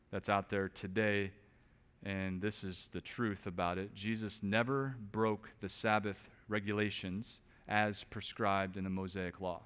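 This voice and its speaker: A man preaching a sermon, asking rhetorical questions and swinging between quiet, low stretches and loud, emphatic bursts. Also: clean tone. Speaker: pastor. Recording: long reverb of a large hall.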